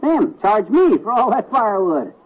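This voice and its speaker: An actor playing a stubborn, boastful husband in a 1940s radio sitcom, blustery and self-assured, on an old radio transcription. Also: male voice, high voice, big pitch swings, moderate pace, slightly rough, lo-fi sound, full character voice.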